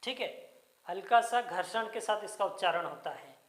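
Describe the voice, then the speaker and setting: A woman's voice: mid-range voice, animated, roomy sound. A woman teacher giving a grammar lecture, asking questions and answering them herself and repeating the key terms. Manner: patient, deliberate explaining. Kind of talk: classroom Hindi grammar lecture.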